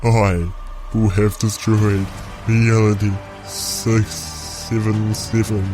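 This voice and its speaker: A man playing a vengeful clone villain in an audio roleplay, telling his story in a deliberate, gloating, theatrical way. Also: lowish voice, little pitch movement, mellow. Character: vengeful male clone villain plotting to destroy a reality. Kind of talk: scripted audio roleplay monologue. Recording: music behind the voice.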